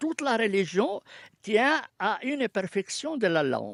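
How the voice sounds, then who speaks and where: Very wide pitch swings against a quiet background. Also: man, dry, close sound with no echo. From Palestine. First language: Arabic (speaking French). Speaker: law professor and Quran scholar. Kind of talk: interview.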